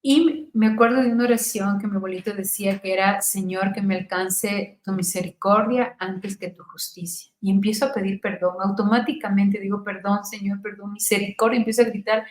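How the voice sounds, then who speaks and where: A middle-aged woman from Ecuador giving an emotional personal testimony, fervent, her voice rising to near-shouts and falling to soft murmurs. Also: mid-range voice, fairly even intonation, a little fast, few pauses, roomy sound, poor audio.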